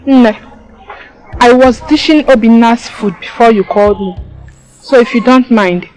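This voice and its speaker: A woman's voice: fairly high pitch, measured pace, a little mellow, soft background music, close to an everyday voice, low-quality recording. A woman with a Nigerian accent playing a firm, dismissive young woman who turns down a suitor. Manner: curt, dismissive. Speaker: maiden who refuses a suitor. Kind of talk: film acting.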